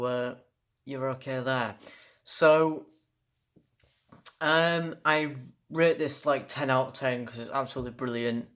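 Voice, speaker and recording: A man's voice: medium pitch, a bit bright. A young man giving a casual, unscripted toy review, rambling enthusiastically and often repeating himself.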